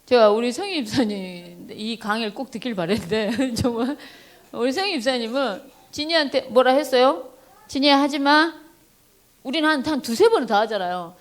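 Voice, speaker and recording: A woman giving a sermon-style talk on parenting to a church congregation, animated, acting out voices and addressing listeners directly. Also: fairly high pitch, brisk. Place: church service.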